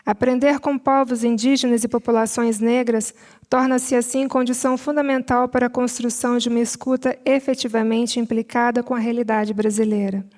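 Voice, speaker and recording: A Brazilian Portuguese-accented woman at a seminar panel, reading a prepared summary in a measured way with spoken asides. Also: a little high, a little mellow. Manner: measured, mixes read text with spoken asides and fillers.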